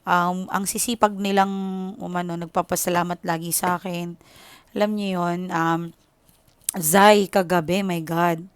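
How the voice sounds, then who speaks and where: A woman's voice: lowish voice, level tone, unhurried, smooth, dry recording. Chatty Filipina woman reading tarot. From Philippines. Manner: chatty, switches into English, frequent "okay?". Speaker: tarot reader. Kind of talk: casual tarot reading chat.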